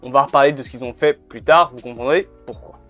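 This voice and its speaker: A man's voice: mid-range voice, fast talker, fairly bright tone, lo-fi sound. A man, chatting casually and bluntly to camera, swearing now and then. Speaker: YouTuber. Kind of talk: casual video commentary. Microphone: camera mic. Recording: faint background music.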